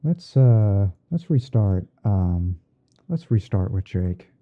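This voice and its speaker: A man playing a gentle, easygoing TV painting instructor in a halting, murmured ASMR livestream roleplay. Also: fairly low pitch, very animated, phone-quality sound. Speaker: livestream host. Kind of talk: ASMR roleplay livestream while editing images.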